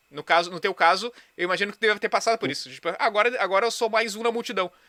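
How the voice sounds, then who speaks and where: Raised and projected, a man's high-pitched voice with a bright, sharp tone and ordinary pitch variation rushes at a very fast pace in a dry, close sound with no echo. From southern Brazil, Porto Alegre. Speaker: podcast host. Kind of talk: interview conversation.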